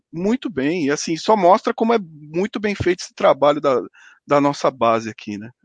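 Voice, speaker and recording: His voice swings very widely in pitch as the man speaks. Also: dry, close sound with no echo, quiet background. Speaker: football fan, show supporter. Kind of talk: casual chat.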